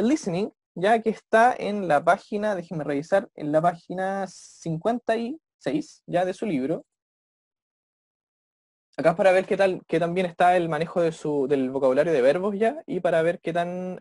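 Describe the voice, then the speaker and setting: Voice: medium pitch, darkish tone, dry recording. Teacher checking "¿cierto?" constantly. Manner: tags nearly every phrase with "cierto?" or "ya?"; slows down to model English phrases. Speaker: English teacher. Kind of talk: online class lesson. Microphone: video call.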